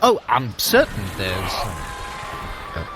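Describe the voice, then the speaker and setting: A man's voice: on the low side, huge pitch swings, slow, music in the background, full character voice. A man acting in an audio drama as a sly, flippant, scheming trickster god bickering with his brother, glib and self-satisfied but given to hedging. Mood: sheepish, sly.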